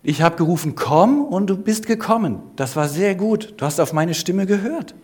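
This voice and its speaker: A man's voice: high-pitched, wildly swooping pitch, takes it slowly, voice pushed up, heavily acted. A man doing a fervent woman missionary. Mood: kindly firm. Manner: loud, pleading calls. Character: woman missionary calling her listeners.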